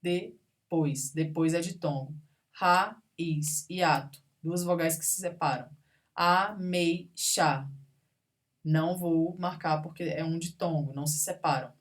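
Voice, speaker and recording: A woman's voice: low-pitched, steady tone, a little slow. A woman teaching a grammar lesson, patiently going through examples one word at a time and checking in with her students. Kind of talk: recorded classroom grammar lesson.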